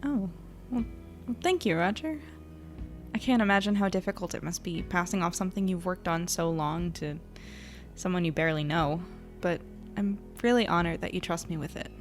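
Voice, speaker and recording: A woman's voice: on the low side, moderate pace, faint music behind, natural voice. A woman playing an earnest, tired young woman reporter in an audio drama, with dialogue and first-person narration. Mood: warm, sincere.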